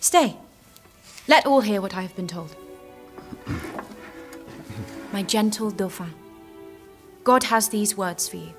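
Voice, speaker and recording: An actress playing an earnest, devout young peasant maiden warrior in an audio drama, speaking with solemn, formal fervour. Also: female voice, mid-range voice, animated, slow, pauses often, faint music behind. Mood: solemn, assured.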